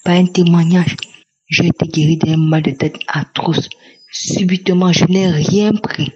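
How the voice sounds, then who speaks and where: Flat, husky young woman. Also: lowish voice, a little slow, highs cut off. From Cameroon. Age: young adult. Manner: earnest, repetitive, grateful. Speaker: testifier. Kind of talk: spoken testimony.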